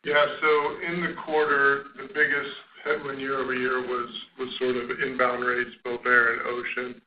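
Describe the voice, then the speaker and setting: A man speaking as a company finance executive, answering questions on an earnings call in a measured, halting business manner. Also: medium pitch, monotone. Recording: muffled, noisy conference phone line.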